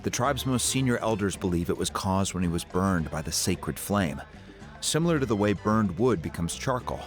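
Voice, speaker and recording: A man voicing a calm, thoughtful tribal chief who explains events in a game cutscene. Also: deep voice, normal speed, faint music behind. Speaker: tribe chief.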